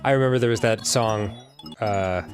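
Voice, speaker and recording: A man's voice: lowish voice, moderate pace, over music. A man co-hosting a casual let's-play, talking in a laid-back, rambling way and laughing easily. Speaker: co-host.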